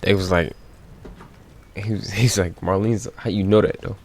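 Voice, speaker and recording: Low-voiced, creaky male gamer. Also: steady tone, moderate pace, darkish tone. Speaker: gaming video host. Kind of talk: casual let's-play commentary.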